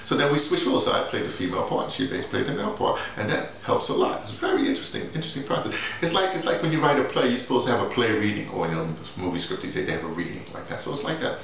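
A man in his sixties talking casually and haltingly to camera, repeating words and wandering off on asides. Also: on the low side, expressive, vocal fry, a bit bright. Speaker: playwright and audio drama teacher. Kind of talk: casual rambling monologue to camera. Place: small bare-walled room indoors. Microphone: camera mic a few feet away. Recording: very echoey room, distant mic, faint hiss.

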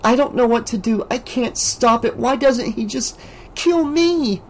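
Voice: mid-range voice, animated, measured pace, pitched above the performer's own voice, natural voice. A reader voicing a trembling teenage girl. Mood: weary. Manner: tremulous, whispering. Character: frightened teenage girl, haunted and pleading.

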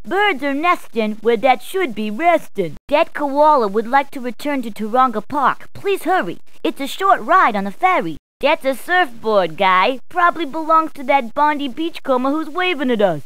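A bright, high-voiced policewoman from a retro video game, firing off cheery puns and helpful hints. Recorded dry and close, with no room sound at all. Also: no room sound. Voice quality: punny, chirpy quips. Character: cheerful female city police officer. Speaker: in-game helper character.

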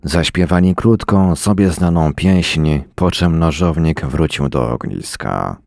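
A man reading a short story aloud in a measured, dramatic way. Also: rumbling low, creaky, darkish tone, no echo, clean studio sound. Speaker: reader. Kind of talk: scripted narration of a short story.

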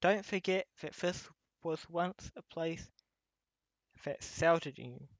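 A gentle childhood teddy bear, acted by a man, talks very slowly and tenderly in an ASMR roleplay. The delivery is wistful and loving, with frequent pauses. The recording is dry and a little dull. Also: fairly high pitch, vocal fry, no room sound. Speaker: voice actor. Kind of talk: ASMR roleplay addressed to listener.

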